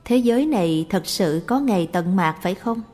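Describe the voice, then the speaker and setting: A woman reading the questions aloud in a plain, even tone for a Buddhist question-and-answer recording. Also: mid-range voice, normal speed. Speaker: reader of the questions. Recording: long reverb with faint background music.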